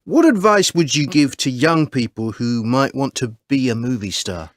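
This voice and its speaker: A woman interviewer asks brisk, clear questions. Her voice is low for a woman and moves a lot in pitch. The sound is dry and close. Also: lively intonation, dry recording. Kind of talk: scripted exam-recording interview.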